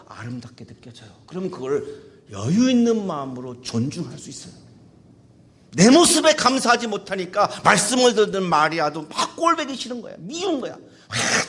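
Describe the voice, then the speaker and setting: A male pastor preaching a sermon at a university chapel, animated and playful, acting out quotes and calling on listeners. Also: high voice, breathy edge.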